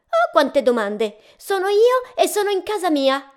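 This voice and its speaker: A woman reading a storybook aloud and voicing a playful, teasing angel in a high, bouncy voice. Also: very animated, measured pace, a little mellow, heavily acted.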